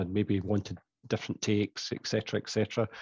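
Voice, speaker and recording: With a Scottish accent, a man speaks at a fairly quick pace in a fairly low, dark, mellow voice and flat monotone intonation, the sound dry and close with no echo over a quiet background. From Scotland. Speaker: rock bassist and songwriter. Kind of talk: casual interview chat.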